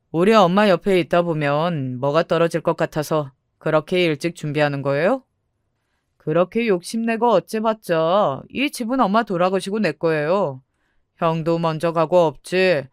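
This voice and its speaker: A woman's voice: lowish voice, smooth, no echo, studio quality, lightly acted. A woman voicing a greedy, suspicious younger brother-in-law in a dramatized story, accusing and dismissive.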